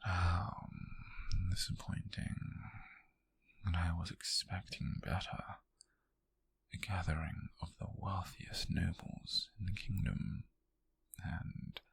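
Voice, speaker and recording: A British man playing a possessive, calculating nobleman in an intimate ASMR roleplay, speaking in a soft, menacing, condescending murmur close to the mic. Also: exaggerated voice. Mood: bored, disdainful. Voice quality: breathy, husky, gravelly low murmur. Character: possessive, calculating noble man who buys captives at auction. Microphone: close mic, dry.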